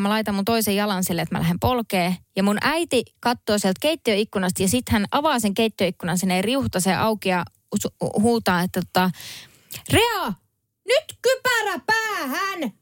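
A woman on a panel show telling a self-mocking childhood story in a casual, animated way. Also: medium pitch, no echo, clean studio sound.

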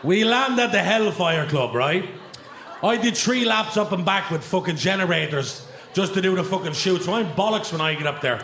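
High-voiced sweary Irishman in a roomy hall. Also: animated, moderate pace, a bit bright. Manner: exclamatory, colloquial, swears freely. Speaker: guest on a live podcast. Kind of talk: animated, sweary storytelling to a live audience. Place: live theatre stage with audience behind. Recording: roomy live hall with crowd noise.

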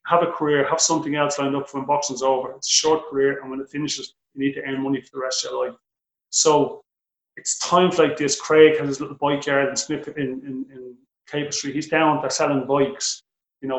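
A middle-aged man with an Irish accent, a boxing coach answering interview questions, animated and restarting his sentences often. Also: medium pitch, roomy sound, rough recording. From Ireland. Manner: animated, repeats words when starting sentences.

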